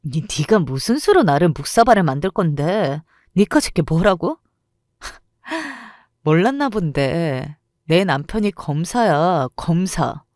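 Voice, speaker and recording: A woman's voice: lowish voice, very animated, slow, darkish tone, no echo, studio quality, full character voice. A woman voicing a smug, mocking former school bully who gloats and sneers. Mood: flustered, defiant.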